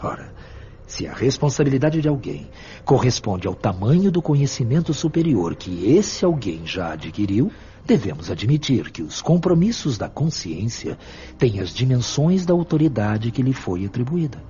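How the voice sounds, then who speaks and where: An actor playing a wise, benevolent spiritual mentor in a radio drama, speaking in a measured, formal, teaching manner. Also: male voice, mid-range voice, sing-song, mellow, muffled recording, lightly acted. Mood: patient, earnest.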